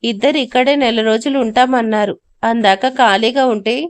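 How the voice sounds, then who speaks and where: Timid village farmhand, played by a woman, pleading and anxious, slightly high pitch. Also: steady tone, moderate pace, natural voice.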